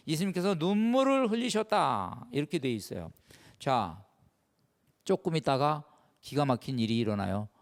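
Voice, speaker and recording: A middle-aged man preaches a sermon lecture in a high, lively voice that leaps from hushed asides to loud exclamations. He keeps asking his audience rhetorical questions. The sound rings with the long reverb of a hall. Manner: animated, rhetorical questions, swings from soft to loud. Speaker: Catholic priest lecturer.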